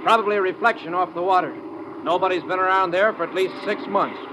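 A man's voice: high-pitched, quick pace, lightly acted. An actor playing an easygoing, matter-of-fact patrol pilot in a 1950s radio drama, talking up over his engine. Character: easygoing, bored oil pipeline patrol pilot. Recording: vintage radio, clear aircraft engine noise.

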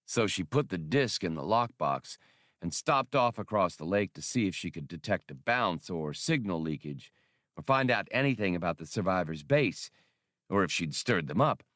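A man's voice: low-pitched, expressive, normal speed, a bit bright, dry recording, studio quality. A man voicing a seasoned, practical male treasure hunter in an audiobook. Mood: speculating.

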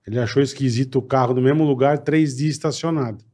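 Brief: male co-host, casual, slangy quick interjections, mid pitch. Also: dark tone. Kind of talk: casual chat.

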